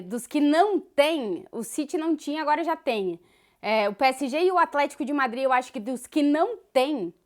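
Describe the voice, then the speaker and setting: A woman in her thirties with a Gaúcho Brazilian accent, a sports journalist chatting casually as she answers viewer questions, dotting her talk with fillers. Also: fairly high pitch. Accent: Gaúcho Brazilian Portuguese. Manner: chatty and thoughtful, many fillers like "né" and "assim". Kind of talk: casual Q&A vlog.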